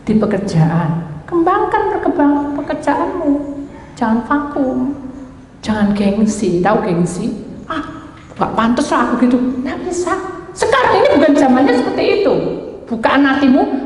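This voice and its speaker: A woman's voice: fairly high pitch, slight background noise. Lady pastor preaching, acts out the voices, super echoey church hall. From Indonesia. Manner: animated storytelling, acts out quoted dialogue, mixes in Javanese. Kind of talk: sermon.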